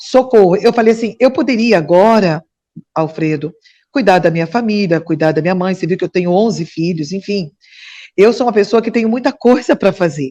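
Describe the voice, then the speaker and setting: Someone speaks at a fairly quick pace with lively intonation and a dark, mellow tone. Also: woman, medium pitch for a woman. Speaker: retired judge and political candidate. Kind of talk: interview.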